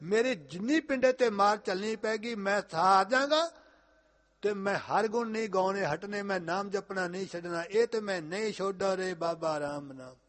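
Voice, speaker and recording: A male preacher giving a Sikh katha sermon, telling the story with emphatic repetition and chanting scripture verses slowly. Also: high voice, a bit bright. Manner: emphatic, repeating lines with rising force.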